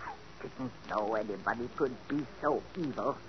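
A woman's voice: rumbling low, normal speed. An actress playing a frail, trusting elderly woman in a wheelchair, tremulous and pleading, in 1940s radio acting on a dull old recording with hiss. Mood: shocked. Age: older.

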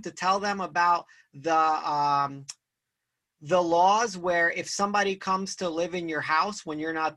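A man's voice: high-pitched, sharp tone. A young man hosting a casual interview, loose and chatty with lots of "like". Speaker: podcast host. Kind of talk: casual conversation.

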